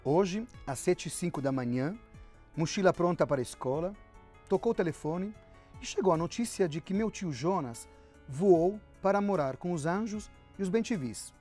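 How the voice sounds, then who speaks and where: A man's voice: high-pitched, lively intonation, moderate pace, dark tone, soft background music. A man in his fifties with an Italian accent, a guest author talking in a musing way and often restarting his sentences. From Italy. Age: 50s. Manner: musing, with frequent restarts and fillers. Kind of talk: reflective interview talk.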